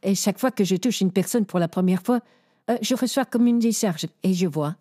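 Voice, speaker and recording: An actress playing a gentle, troubled young psychic in an audio drama, speaking softly and hesitantly. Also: female voice, medium pitch, a little fast, no echo, clean studio sound, lightly acted. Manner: soft and hesitant.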